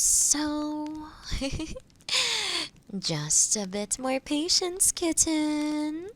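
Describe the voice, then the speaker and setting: Woman acting as a kind witch, lively slow speech. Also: high-pitched, exaggerated voice. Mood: patient, fond. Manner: explanatory, precise, softly reassuring. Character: kind, scholarly forest witch, gentle and patient. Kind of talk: scripted audio roleplay, conversational.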